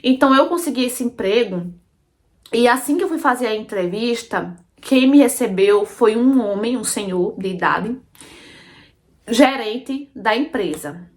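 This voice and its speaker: A woman's voice: fairly high pitch, expressive, measured pace. A Brazilian woman telling her own story in a casual, chatty way, often calling out to her listeners and repeating phrases for emphasis. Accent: Brazilian Portuguese. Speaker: storytelling channel host. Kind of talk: casual first-person storytelling.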